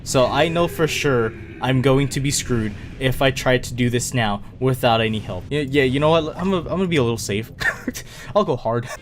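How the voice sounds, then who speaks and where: A man's voice: mid-range voice, moderate pace. Guy chatting thru his gacha game run, jokey and self-deprecating, bit of game music under him. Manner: rambling, self-mocking, laughs often. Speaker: gaming YouTuber. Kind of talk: casual gameplay commentary. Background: faint game music.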